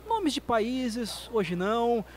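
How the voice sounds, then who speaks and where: High-voiced Brazilian man telling stories. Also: big pitch swings, slow pace. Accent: Brazilian Portuguese. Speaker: missionary guest. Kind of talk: podcast conversation.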